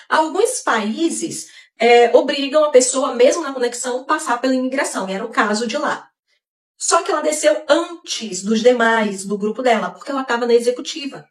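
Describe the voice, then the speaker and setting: Woman reading a script, measured explainer tone, kinda high voice, far from the mic in an echoey room. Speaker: video narrator. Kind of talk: scripted narration.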